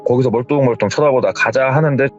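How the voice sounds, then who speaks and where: A man retelling a scary story in a casual, lively way, full of acted-out quotes, in a slightly dull recording with faint music behind. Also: medium pitch, fast talker. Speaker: horror story narrator.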